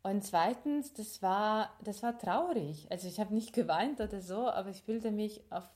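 A woman's voice: mid-range voice, normal speed, darkish tone. A young woman from Ukraine, co-hosting a podcast in casual conversation, reflective and thinking aloud with fillers and restarts. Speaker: podcast co-host.

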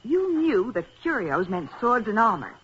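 Inquisitive assistant to a detective, exclamatory and animated, vintage radio drama with some noise. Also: female voice, fairly high pitch, normal speed. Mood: eager, puzzled. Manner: expressive, exclamatory. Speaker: actor. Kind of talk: 1940s radio acting. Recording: muffled, hissy 1940s radio recording.

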